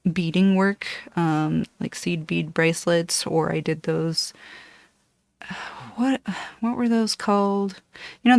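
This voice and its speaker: Slow-talking woman in her thirties. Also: fairly low pitch, dry recording. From Costa Rica. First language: Spanish. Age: 30s. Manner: meandering, self-correcting, chatty. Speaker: cross-stitch vlogger. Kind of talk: rambling casual chat. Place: dark room at home.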